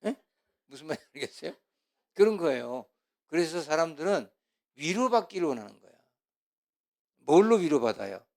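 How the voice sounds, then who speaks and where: Animated Korean pastor preaching. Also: male voice, fairly high pitch, normal speed, pauses often. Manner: animated, full of rhetorical questions, swings from loud to hushed. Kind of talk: sermon lecture.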